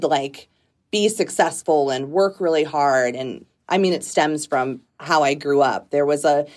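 A woman's voice: low-pitched, a little mellow. A woman from Southern California, a nonprofit director, talking openly and thoughtfully as a guest in a casual interview, laughing easily. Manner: open, reflective, laughs easily.

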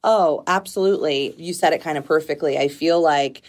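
A woman's voice: low-pitched, normal speed. A woman from Southern California, a nonprofit director, talking openly and thoughtfully as a guest in a casual interview, laughing easily. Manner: open, reflective, laughs easily.

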